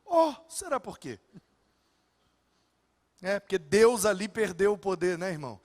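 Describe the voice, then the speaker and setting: A man's voice: high voice, big pitch swings, measured pace, in a large hall. A male pastor preaching a sermon, telling stories with humor and acting out the dialogue. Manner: storytelling, acts out dialogue with humor. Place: church sanctuary.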